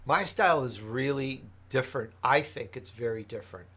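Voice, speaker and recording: A man's voice: medium pitch, moderate pace, fairly bright tone, slightly rough. A man from Chicago, a podcast host answering interview questions in an earnest, emphatic way, building his points through lists. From Chicago, United States.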